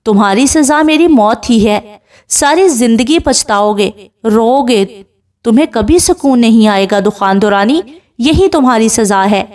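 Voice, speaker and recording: A woman's voice: on the high side, expressive, darkish tone, natural voice. A woman playing a bitter, tearful young woman. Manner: tearful, accusing, raised voice. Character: young woman, sick in a hospital bed, bitter and unforgiving.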